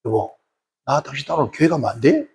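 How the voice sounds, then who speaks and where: A man voicing a middle-aged husband, a former drunk, gently asking his wife something. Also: mid-range voice, animated, quick pace, close to an everyday voice. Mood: pleading.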